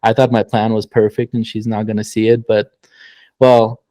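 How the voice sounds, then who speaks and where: A man's voice: on the low side, little pitch movement, moderate pace, warm tone, dry recording. A young man, a guest husband, telling a story in a hesitant, plain way in a casual chat.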